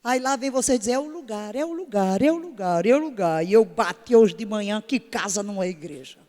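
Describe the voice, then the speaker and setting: A woman's voice: mid-range voice, expressive, brisk, darkish tone, long reverb tail. A woman preaching a sermon to her congregation in an emphatic way, full of rhetorical questions. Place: church service.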